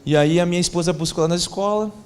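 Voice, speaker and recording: A high-voiced man. He tells stories with animation and slips into casual slang while voicing each side of a conversation. Soft music plays faintly behind him. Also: fast talker. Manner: animated storyteller, acts out dialogue, slangy. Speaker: pastor. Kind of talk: sermon storytelling.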